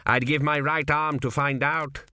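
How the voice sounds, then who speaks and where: A man's voice: on the high side, steady tone, a little slow, bright, forceful tone, no room sound, pitched above the performer's own voice. A man voicing a crude old ghostly ancestor. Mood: cynical. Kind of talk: audiobook character voice.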